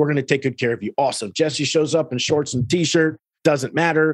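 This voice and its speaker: With an American accent, a man in an ordinary speaking voice talks at a fairly quick pace and fairly high pitch, with ordinary pitch variation and a dry, close sound with no echo. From Virginia, US. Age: 30s. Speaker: real estate team leader. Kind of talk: casual interview chat.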